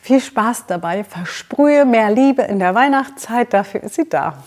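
A woman's voice: on the high side, lively intonation, a little slow, darkish tone, faint music behind. A German woman hosting a podcast, coaching the listener in an encouraging, direct way. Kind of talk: motivational podcast talk.

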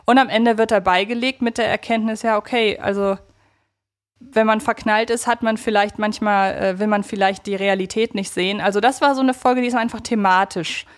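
A woman with a German accent speaks as a podcast co-host in a conversational tone. Her voice sits at an average pitch. She is reflective and wordy, often rephrasing herself mid-sentence. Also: steady tone, fairly quick. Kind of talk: conversational fan podcast discussion.

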